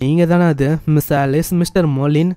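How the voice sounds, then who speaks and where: Music plays in the background as a man speaks. His voice is fairly high with fairly even intonation. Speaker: anime recap narrator. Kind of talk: anime story recap narration. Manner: casual, conversational.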